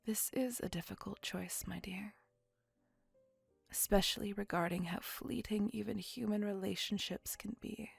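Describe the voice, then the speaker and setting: A woman voicing a possessive, centuries-old female vampire in an ASMR roleplay, whispering softly with formal, old-fashioned phrasing. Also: medium pitch, moderate pace, gravelly, husky, no echo, full character voice. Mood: tender. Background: faint music.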